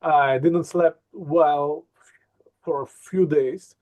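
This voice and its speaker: Male hypnosis trainer, slow and unhurried, lightly raised pitch, stumbles through fillers as he recounts a story. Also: fairly even intonation, phone-quality sound. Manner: hesitant, many fillers and repeats. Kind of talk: casual interview storytelling.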